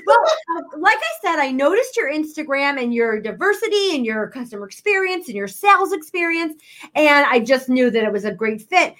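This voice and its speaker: A woman hosting a podcast, bubbly and excitable, chatting with her guest over a video call. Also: high-pitched. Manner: bubbly, excitable, quick laughs. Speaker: podcast host. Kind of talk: casual interview chat.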